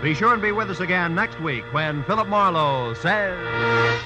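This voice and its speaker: A man's voice: high-pitched, expressive, measured pace, loud music behind the voice. An American man announcing a scripted network radio broadcast in 1940s style, formal, polished and promotional. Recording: muffled old radio broadcast.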